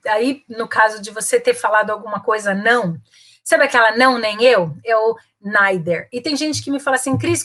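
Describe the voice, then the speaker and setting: A woman's voice: fairly high pitch, fairly bright tone. Chatty Brazilian woman teaching English. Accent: Brazilian Portuguese. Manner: chatty, many tag questions like né and ok; slow, careful model phrases in English. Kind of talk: casual online English lesson.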